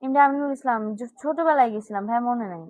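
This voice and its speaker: A teenage girl from Bangladesh hosts a live stream, chatting casually as she answers viewers one after another. Her voice sits fairly high and sounds close and dry, with almost no room around it. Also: quick pace, darkish tone, no echo, low-quality recording. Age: teens. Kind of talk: casual live chat reading comments.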